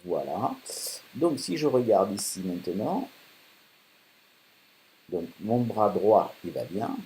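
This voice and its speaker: Male tutorial host, casual and chatty, low voice with animated pitch, desktop mic with light hiss. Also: takes it slowly. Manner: chatty, thinking aloud with many fillers. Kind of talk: casual screen-recorded tutorial. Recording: faint hiss.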